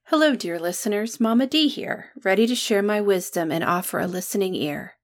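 This is an unremarkable speaking voice at a moderate pace. Its intonation is lively. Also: woman. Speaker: podcast host and parent. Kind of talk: casual chat. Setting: remote call.

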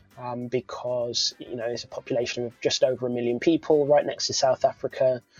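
A man speaks at a fairly quick pace. Background music plays along. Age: 30s. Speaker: entrepreneur and consultant. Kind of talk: interview. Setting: remote call.

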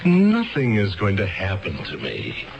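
A put-on character voice with vocal fry moves through very wide pitch swings at a fairly slow pace. Audible room echo is present. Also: man, fairly low pitch for a man.

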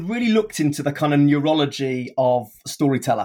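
With an English accent, a man speaks at a moderate pace and a fairly high pitch. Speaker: author and mission leader. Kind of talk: interview. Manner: animated.

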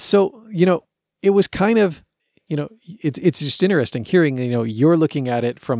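A man with a Canadian accent has a dark, mellow tone and lively intonation. The sound is dry and close, with no echo. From Canada, Edmonton, Alberta. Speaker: podcast host. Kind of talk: casual chat.

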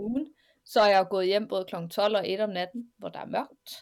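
A woman with an unremarkable speaking voice talks at a fairly slow pace. Her pitch sits in the medium range with ordinary variation. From Denmark, Silkeborg (Jutland). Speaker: travel guide and writer. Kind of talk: interview.

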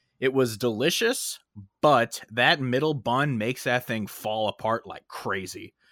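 In a dry, close recording with no echo and a silent background, a man speaks fairly slowly at a medium pitch with ordinary pitch variation in an unremarkable speaking voice. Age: 30s. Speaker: podcast co-host. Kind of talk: casual chat.

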